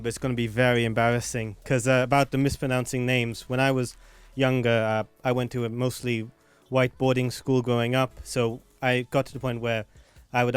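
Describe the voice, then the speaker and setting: A man's voice: medium pitch, clean tone, no room sound. A man on a radio panel telling a story with self-mocking humour and frequent uhs. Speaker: studio panel guest. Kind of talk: anecdote in a debate.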